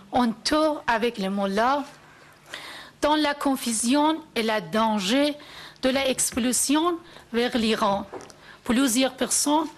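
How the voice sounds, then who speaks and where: Woman, 40s, high voice, slow delivery, solemn testimony. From Iran. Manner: measured, solemn, deliberate phrasing. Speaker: activist giving testimony. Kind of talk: prepared first-person testimony.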